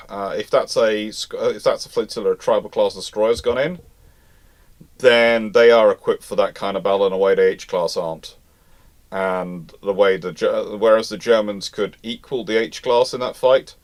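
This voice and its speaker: A man with a fairly low voice hosts a live question session. He reads each question out and then explains his answer at length in an informal, unscripted way. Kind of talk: live naval history question-and-answer talk.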